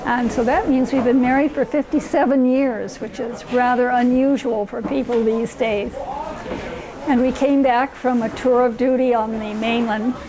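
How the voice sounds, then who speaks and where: A woman's voice: a little high, fairly even intonation, normal speed, crowd noise, rough recording. An older woman from Hawaii, reminiscing fondly and rambling a little as she searches for words. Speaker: interviewee. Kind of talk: personal reminiscence.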